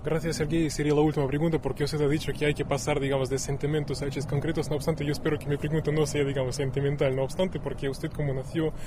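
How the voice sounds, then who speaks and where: A man from Russia interviewing a guest in Spanish, formally phrased and pausing to search for words. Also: fairly high pitch, little pitch movement, background noise.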